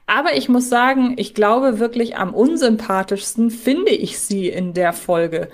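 A woman's voice: a little high, a little slow. A woman co-hosting a podcast, chatting casually and reflectively, thinking aloud as she discusses. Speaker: podcast co-host.

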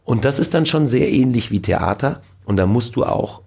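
A male actor as an interview guest, telling lively stories about film sets in a casual way. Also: medium pitch, moderate pace, gravelly, breathy edge. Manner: animated storytelling with acted quotes.

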